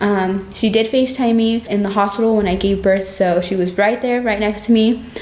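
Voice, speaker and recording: A woman's medium-pitched voice with ordinary pitch variation, amid audible room echo and noticeable background noise. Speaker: vlogger, new mother. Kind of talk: casual vlog update.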